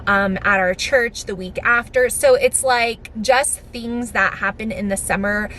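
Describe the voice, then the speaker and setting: A middle-aged American woman talking in a casual, chatty vlog style, explaining things conversationally. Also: a bit bright. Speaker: vlogger and homeschooling mother. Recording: clearly noisy, vehicle rumble.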